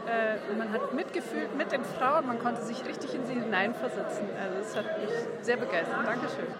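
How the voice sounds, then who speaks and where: An enthusiastic woman with a high voice gives her quick opinion as an audience member, pausing often on fillers. A dense crowd surrounds her. Loud background noise covers the recording. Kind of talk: vox pop interview.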